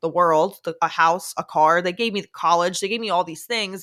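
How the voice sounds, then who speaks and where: A woman talks with a New Jersey accent in a bright, sharp tone. The recording is very clean, with a silent background. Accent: New Jersey American. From New Jersey, US. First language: Aramaic. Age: 20s. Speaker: podcast host, guest. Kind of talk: casual interview chat.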